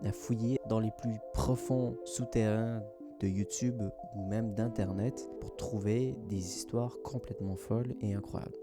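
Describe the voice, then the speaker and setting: Low-voiced man narrating over prominent music. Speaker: YouTube host. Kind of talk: scripted true-mystery video narration. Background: music under the voice.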